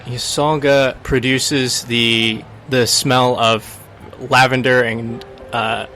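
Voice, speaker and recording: A man narrating his character's actions as a tabletop game player, in a deliberate, halting way. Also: mid-range voice, flat delivery, sharp tone, rough recording. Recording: music under the voice.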